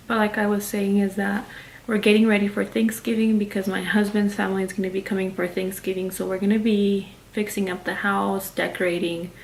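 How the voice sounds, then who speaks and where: A woman's voice: medium pitch, gravelly. A woman whose first language is Spanish, speaking English with a Spanish accent in a chatty get-ready-with-me vlog, full of "like" and "you know". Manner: chatty, filler-heavy, many "like"s and "you know"s. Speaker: beauty vlogger. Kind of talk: casual get-ready-with-me chat. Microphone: camera mic from a distance. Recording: distant camera mic, steady background hum.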